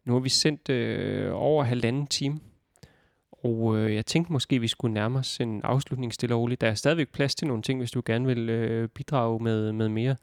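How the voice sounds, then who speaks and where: A man's voice: mid-range voice, creaky, no echo, clean studio sound. A man hosting a casual radio interview, rambling with many fillers. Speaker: radio host.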